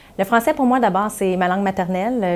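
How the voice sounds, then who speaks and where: A woman talks fairly quickly, her voice in the medium pitch range. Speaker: aerospace training coordinator. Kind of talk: interview testimony. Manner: hesitant, many fillers.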